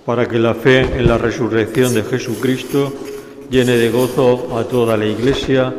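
A man reading the prayers of the faithful at Mass in a large chapel, measured and steady. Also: medium pitch, a little hiss or hum. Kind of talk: liturgical reading. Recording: distant, roomy church sound with faint ambience.

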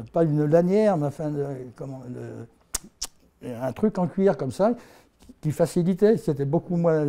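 Gravelly, self-mocking man in his eighties. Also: fairly high pitch, warm tone. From Haut-Morvan, France. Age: 80s. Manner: rambling, self-mocking, laughs often, many restarts. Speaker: interviewee, anthropologist. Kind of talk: filmed life-story interview. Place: office with bookshelves, indoors. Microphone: lapel mic.

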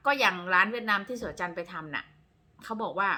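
A woman's voice: medium pitch, animated, fast talker, bright, forceful tone. A woman from Northeast Thailand, chatting casually and rambling a bit to camera in her vlog. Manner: chatty, rambling, refers to herself by name. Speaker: vlogger. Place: home in Texas.

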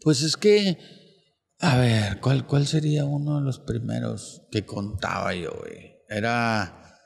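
A stand-up comedian with a Mexican Spanish accent chats on a podcast, spinning long, slangy joke stories and acting out characters in raised voices. His mid-range voice is animated, creaky and slightly rough, and he takes his time. The audio has a long reverb tail.

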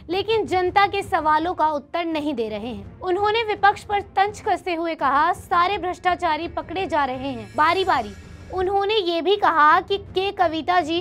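A woman news presenter giving a crisp, formal scripted news report. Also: very high-pitched, fairly bright tone.

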